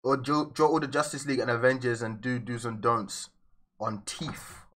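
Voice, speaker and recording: A young man raised in London, with a London English accent, chats loosely with viewers during a live stream while drawing at his desk indoors. His voice is medium-pitched and fairly bright, with fairly even intonation at a normal speed, as he answers viewers' questions. There's a little hiss or hum in the audio.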